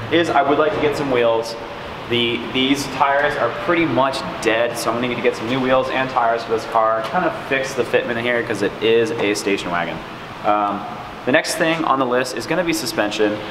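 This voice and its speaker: A man's speech comes at a rather brisk clip, its pitch varying in the usual way, with clearly audible noise behind it. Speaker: car enthusiast vlogger. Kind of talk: casual vlog chat. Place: garage. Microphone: camera far.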